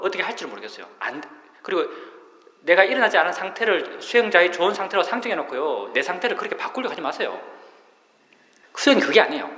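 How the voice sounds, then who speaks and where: Man, Buddhist monk, dharma talk, slightly high voice, lively pitch, rhetorical questions. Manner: patient explaining, rhetorical questions. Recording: roomy hall reverb.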